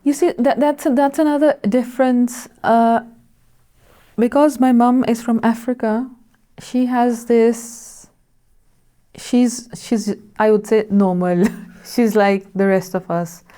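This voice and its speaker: A woman from Kenya and Pakistan talking in a calm, reflective way, pausing now and then. Her voice is mellow and smooth, with a rounded, resonant tone. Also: fairly high pitch. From born in Kenya, raised in Pakistan. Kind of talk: casual conversation.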